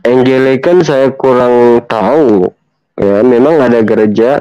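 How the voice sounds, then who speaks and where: A man's voice: mid-range voice, warm tone, dry recording, dull audio. Easygoing Malaysian-born man, dry sound. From Malaysia (Sabah). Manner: easygoing, halting with fillers. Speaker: guest. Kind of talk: casual video call chat.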